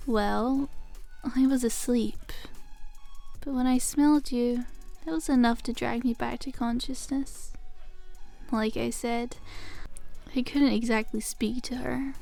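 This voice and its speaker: A woman playing a playful, possessive werewolf demon girlfriend in an intimate, softly teasing ASMR roleplay. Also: a little high, gravelly. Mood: teasing, affectionate.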